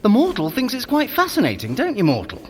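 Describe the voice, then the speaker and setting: A man's voice: extremely high pitch, huge pitch swings, fast, a little hiss or hum, heavily acted. A male actor playing a sardonic, fussy trickster god in an audio drama, with theatrical, scornful, aristocratic delivery. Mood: haughty, mocking. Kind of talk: scripted audio drama dialogue.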